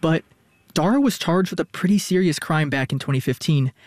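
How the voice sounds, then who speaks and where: A male reporter narrates a news feature in a measured, scripted way. His voice sits a little high for a man and sounds dry and close, with no room around it. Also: no echo. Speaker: radio reporter.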